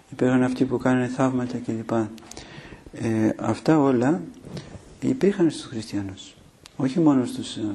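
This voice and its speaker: A man preaching a sermon, teaching in a steady way with filler pauses and rhetorical questions. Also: mid-range voice, husky.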